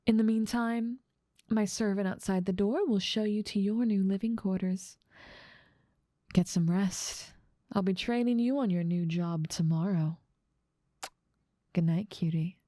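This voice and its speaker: A woman's voice: medium pitch, a little slow, pauses often, dark tone, no echo, studio quality, close to an everyday voice. A woman voicing a dominant demon ruler of hell in an ASMR roleplay, teasing, condescending and self-assured. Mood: gracious, commanding.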